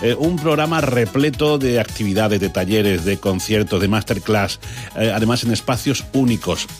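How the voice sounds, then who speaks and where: A man's voice: on the low side, moderate pace, soft background music. Man hosting a live radio show. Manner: relaxed, laughs along with guest. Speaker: radio host.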